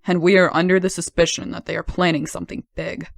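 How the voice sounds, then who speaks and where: A man's voice: high-pitched, flat delivery, fast talker, gravelly, no room sound, studio quality. A man playing a serious superhero team informant giving briefings in an amateur audio drama. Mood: grave.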